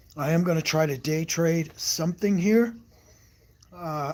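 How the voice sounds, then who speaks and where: A soft-spoken man with a high pitch and ordinary pitch variation talks at a moderate pace in a very clean recording with a silent background. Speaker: stock trading streamer. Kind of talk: live stream commentary. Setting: live stream. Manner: casual.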